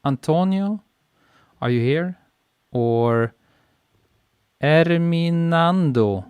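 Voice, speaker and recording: A man hosts a live stream, chatting with viewers at an unhurried pace. His voice is smooth and clear, picked up close on a podcast mic with very little room sound. He reads comments aloud and laughs easily. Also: medium pitch, animated, a little mellow, dry recording. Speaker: photographer hosting a live stream. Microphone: podcast mic on a boom arm.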